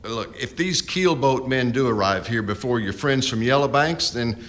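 An actor playing a principled frontier justice of the peace in a radio drama, speaking formally and deliberately. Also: male voice, mid-range voice, expressive, fairly bright tone, lightly acted. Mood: firm, stern. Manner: formal, deliberate, lawyerly questioning.

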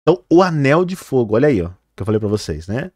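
A man's voice: medium pitch, very animated, fast, a little mellow, no room sound, clean studio sound. Chatty man commenting over news footage. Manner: chatty, fillers like "né" and "olha, gente"; trips over hard names. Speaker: vlogger.

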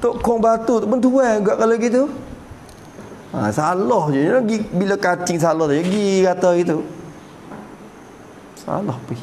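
A man's voice: high-pitched, moderate pace, long pauses, a little mellow, slight background noise, rough recording. A man with a Patani Malay accent teaching a traditional religious kitab lesson. He explains patiently and keeps putting rhetorical questions to his students. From Patani, southern Thailand.

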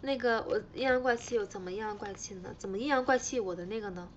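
A woman's voice: mid-range voice, quick pace, dull audio, a little hiss or hum. A young woman hosting a casual livestream, teasing her fans playfully and repeating herself as she chats. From China. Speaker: idol livestream host.

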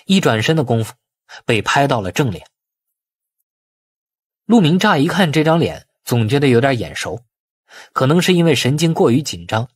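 A man's voice: mid-range voice, husky, dry recording, studio quality. A man reading a suspense novel as a dramatic audiobook narrator.

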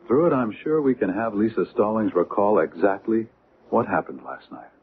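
An actor playing an earnest, open-minded doctor and UFO researcher in a conversational radio drama style. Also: male voice, lowish voice, animated, moderate pace. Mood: earnest, intrigued. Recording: muffled, noisy old radio recording.

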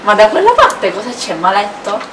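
A woman's voice: medium pitch, huge pitch swings, normal speed. A young woman delivering casual comic banter, recorded at a distance from the microphone. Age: young adult. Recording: very noisy, echoey, distant mic.

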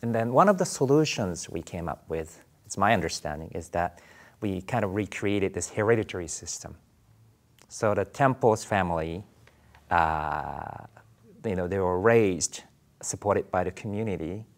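A man's voice: deep voice, lively intonation, moderate pace. A man in his forties from Japan with a Japanese accent, answering interview questions thoughtfully in a studio, with many fillers and restarts. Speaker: Buddhist priest guest.

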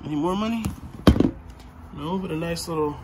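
A man's voice: a little high, heavy background noise. A man in his thirties, casually joking and exclaiming as he digs through a storage unit. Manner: excited, joking, quick exclamations. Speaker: vlogger. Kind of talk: casual unboxing chat.

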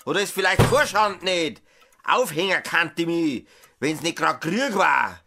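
An actor playing a gruff farmer father with a Bavarian accent, blunt and reproachful, in an audiobook drama. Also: fairly high pitch, lively intonation, a little slow, music in the background. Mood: stern outrage. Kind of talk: dialect audiobook drama acting.

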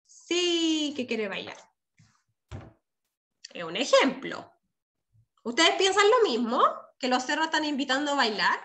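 Bright, high-voiced Chilean woman teacher. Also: sing-song, a little slow, long pauses. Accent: Chilean Spanish. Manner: patient, affectionate, encouraging. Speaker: primary school teacher. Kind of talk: online class teaching. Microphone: video call.

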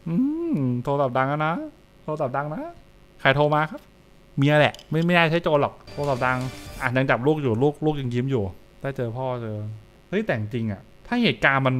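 A man's voice: fairly high pitch, a bit bright. A young adult man, giving casual live reaction commentary and repeating short phrases as he thinks aloud. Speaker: streamer reacting to horror comics. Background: music.

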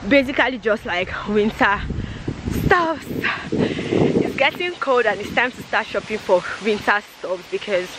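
A young woman with a Nigerian accent chatting casually to camera as she walks outside, filming at arm's length in an animated manner. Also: medium pitch, a little slow. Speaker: vlogger. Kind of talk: casual vlog chat to camera. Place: outdoors on a grassy path by railway. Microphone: handheld camera at arm's length. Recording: outdoor noise, passing traffic ambience.

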